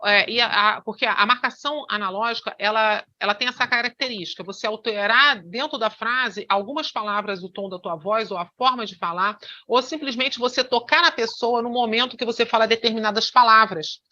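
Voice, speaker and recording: A woman's voice: a little high, brisk, few pauses, sharp tone, muffled recording. A woman teaching hypnosis in an online lesson, explaining with many fillers and restarts.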